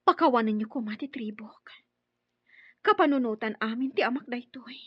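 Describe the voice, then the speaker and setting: A woman's voice: a little high, normal speed, slightly rough, no echo, highs cut off. A woman playing a righteous, resolute tribal chief's daughter in an Ilocano radio drama, with emphatic delivery. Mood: solemn pleading.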